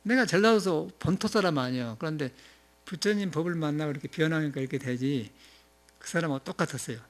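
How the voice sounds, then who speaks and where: A male monk speaking with a Jeolla accent delivers an informal sermon in a loose, wandering way. His voice sits a little higher than most men's, and he breaks into chuckles and filler sounds as he talks. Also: fast talker. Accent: Jeolla Korean. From Jeolla, South Korea. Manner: rambling, conversational, frequent chuckles and filler sounds. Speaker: Buddhist monk giving a dharma talk.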